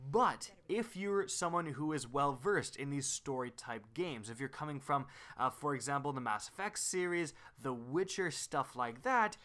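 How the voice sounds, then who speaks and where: Male gaming host, bright forceful tone, slightly high pitch, upbeat explanatory commentary. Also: expressive, normal speed, few pauses. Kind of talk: video game commentary voice-over.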